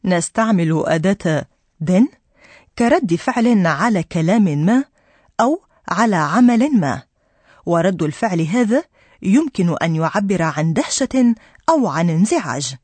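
A woman teaching a radio language lesson, explaining patiently and clearly to her listeners. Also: fairly low pitch, animated, a little slow, pauses often, darkish tone, no echo.

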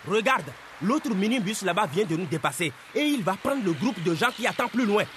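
A man playing a hurried minibus driver. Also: sits high, expressive, fairly bright tone, slight background noise. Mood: impatient. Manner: impatient, barking orders. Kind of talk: radio drama acting.

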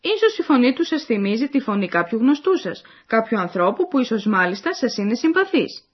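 A woman's voice: fairly high pitch, very animated, slightly rough. A woman reading the scripted narration of a language course, explaining and addressing the listeners. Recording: dull lo-fi recording.

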